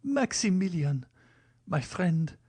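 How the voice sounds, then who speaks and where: A man's voice: high-pitched, very animated, takes it slowly, a little mellow, husky, pitched above the performer's own voice, exaggerated voice. A man voicing a devoted, anguished young woman who pleads tearfully in an audiobook reading. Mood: impassioned.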